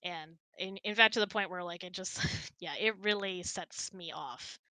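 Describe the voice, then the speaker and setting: A woman with a bright, forward voice chats casually as a host. She is giggly and animated when telling stories, and the sound is close and dry. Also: on the low side, unhurried, no room sound, rough recording. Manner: giggly, chatty, animated storytelling. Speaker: host of a couple's online hangout. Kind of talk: casual chat, answering questions and telling anecdotes.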